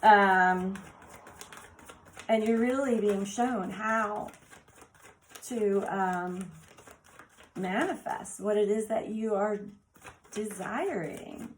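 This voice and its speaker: A woman whose voice is raspy from laryngitis, doing an oracle card reading for viewers and exclaiming eagerly over the cards in a soft, meandering way. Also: mid-range voice, extremely slow, pauses often, slight background noise. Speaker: card reader.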